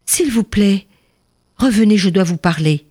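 A woman storyteller voicing a rich, anxious miser who speaks in a high, pleading, excitable way. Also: a little slow, husky. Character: rich old miser, fussy and anxious man.

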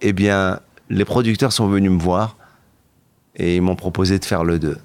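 A middle-aged man as a podcast guest, telling stories in a lively, halting way with bursts of excitement. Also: low voice, clear, resonant tone, no room sound. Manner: animated storytelling, halting restarts, bursts of excitement. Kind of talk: candid interview talk.

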